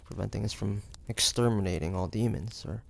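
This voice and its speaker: A man voicing a wary, stubborn demon hunter from the 1850s in a dramatic audio roleplay, with halting, pointed delivery. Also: fairly low pitch, creaky. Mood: reluctantly reasoning. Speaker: voice actor.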